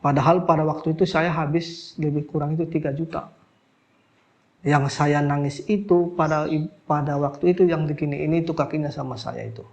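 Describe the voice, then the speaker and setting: Middle-aged male healer, interview storytelling; lively quoted voices, sinks low and soft when recalling hardship. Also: moderate pace, gravelly, highs cut off. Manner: animated, acts out quoted voices, voice drops when recalling crying. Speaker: alternative healer. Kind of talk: emotional personal storytelling.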